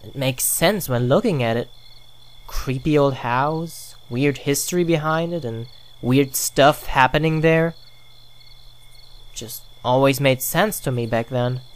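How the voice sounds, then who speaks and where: A woman's voice: extremely low pitch, slow pace. A woman playing an earnest young believer in local ghost legends, speaking hesitantly and conversationally in an amateur audio drama. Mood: earnest, nostalgic.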